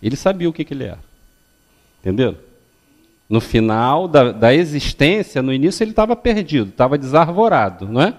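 Very animated and fairly quick, an older man's mid-range voice fills a lecture hall where he gives a public religious talk as a spiritist-center lecturer. He stands and gestures, teaching in a didactic, stepwise way and tacking checking questions onto his phrases.

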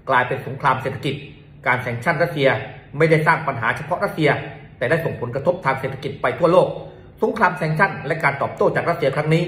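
Casting man, news presenter, brisk polite delivery, mid pitch, echoey room. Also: a bit bright. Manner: polite, with frequent particles. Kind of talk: reading a news commentary. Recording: roomy echo.

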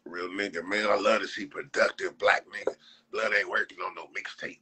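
A man's voice: low voice, fairly even intonation, brisk, bright, forceful tone, slight background noise. A man in his forties livestreaming from his phone indoors, talking bluntly and profanely and repeating his phrases. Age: 40s. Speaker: livestream host. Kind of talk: casual livestream talk. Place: indoor room. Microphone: phone held close.

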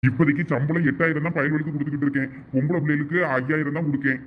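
A man's voice: a little high, steady tone, rapid-fire, phone-quality sound, slight background noise. A man with a Thoothukudi Tamil accent acting in a village comedy drama, talking in a friendly, persuasive way. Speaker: villager asking a shopkeeper for a job for a youth.

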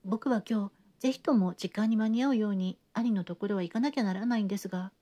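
A woman voicing a quiet, earnest young man. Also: medium pitch, fast, lightly acted. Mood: hesitant. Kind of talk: audiobook reading of a classic novel.

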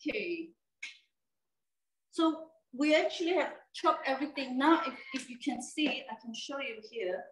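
A woman's voice: sits high, expressive, measured pace. A woman hosting a cooking demonstration, explaining each step casually with many fillers and frequent "okay?" checks. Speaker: cooking show host. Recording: echoey room, mic at a distance.

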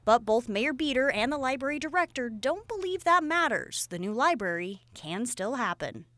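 A woman in her thirties delivering a live news report outdoors at night, in a clear, measured newscast manner. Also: fairly high pitch, very animated, a bit bright, no echo. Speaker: field reporter. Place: outdoors at night outside a library.

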